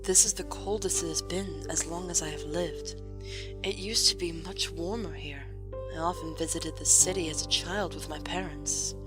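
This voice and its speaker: Woman doing young noble lady in audio drama, lowish voice, composed n teasing, music behind her. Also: steady tone, moderate pace, lightly acted. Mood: pensive, serious. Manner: formal wording, dryly playful. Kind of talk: fan audio drama acting.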